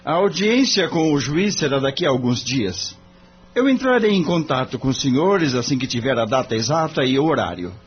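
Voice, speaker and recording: A man's voice: medium pitch, animated, normal speed, highs cut off, slight background noise, natural voice. A man playing an earnest young lawyer. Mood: polite. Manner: polite, thoughtful, hesitant fillers. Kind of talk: audio drama acting.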